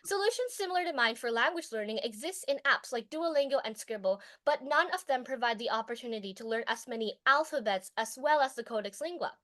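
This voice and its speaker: A young teenage girl with a fairly high voice speaks to a competition panel. She recites her prepared pitch, then fields questions with earnest pauses and fillers. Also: expressive, fairly bright tone. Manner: delivers a memorized pitch, then answers judges with hesitant fillers. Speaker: student presenter.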